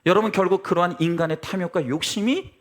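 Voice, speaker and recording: A man's voice: sits high, fast. A man pastor preaching a Sunday sermon in a church service, earnest and direct, often addressing the congregation with rhetorical questions.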